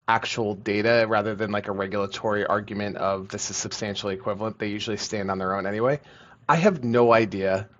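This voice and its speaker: Low-voiced man on a dull mic. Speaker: podcast co-host. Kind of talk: casual podcast conversation. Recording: dull, lo-fi audio.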